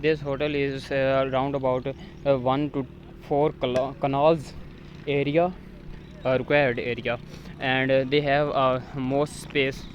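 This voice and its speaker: A man whose first language is Urdu, vlogging outdoors in halting English full of hesitations. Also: medium pitch, level tone, highs cut off, a little hiss or hum. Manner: halting non-native English, frequent uh fillers. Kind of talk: casual outdoor vlog. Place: outdoors in a village near a road.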